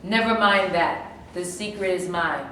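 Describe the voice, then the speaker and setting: A woman's voice: fairly low pitch, measured pace, pushed and bright. A woman in a staged reading playing an imperious, conquering prehistoric tribal leader. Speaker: actor. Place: echoey room at a staged reading. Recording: echoey room, distant mic, faint noise.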